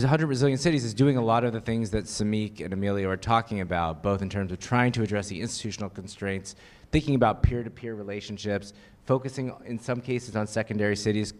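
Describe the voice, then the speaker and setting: A man's voice: lowish voice, darkish tone. A man moderating a panel, introducing speakers graciously and asking them questions.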